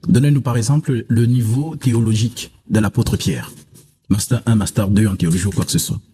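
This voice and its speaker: Very husky, mellow-voiced man debating religion. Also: on the low side, fairly quick. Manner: self-assured, boastful, dismissive. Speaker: preacher debating as a guest.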